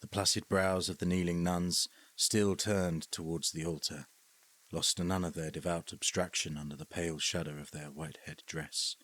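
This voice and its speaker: A man reading a horror story aloud as scripted narration, measured and sometimes sinking to a hush. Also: sits low, fairly even intonation. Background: faint music.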